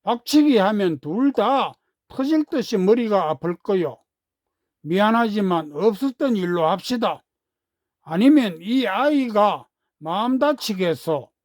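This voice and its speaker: A man voicing a slow calm country uncle. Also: high voice, no room sound, clean studio sound. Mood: firm. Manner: slow, deliberate, measured.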